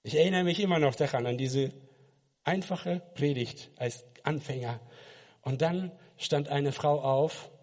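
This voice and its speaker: A man's voice: on the high side, unhurried, darkish tone, in a large hall. A man from Kazakhstan, a missionary preacher, giving an earnest personal faith testimony and speaking directly to the listener.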